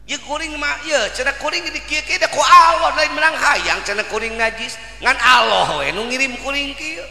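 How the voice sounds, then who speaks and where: A man voicing a humble, trusting wandering dog in a told story, pleading and rising into high exclaims. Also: moderate pace, gravelly, pushed and bright, exaggerated voice. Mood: indignant. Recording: echoey hall reverb.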